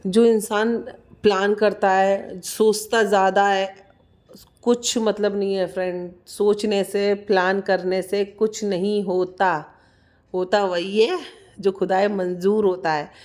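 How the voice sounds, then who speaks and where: Woman vlogger, casual daily chat, mid pitch, keeps calling viewers friend.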